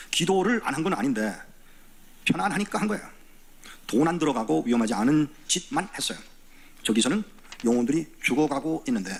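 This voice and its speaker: Blunt, animated male guest preacher. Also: medium pitch, slightly rough. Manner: blunt, teasing the congregation; acts out quoted dialogue. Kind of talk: sermon. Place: church sanctuary.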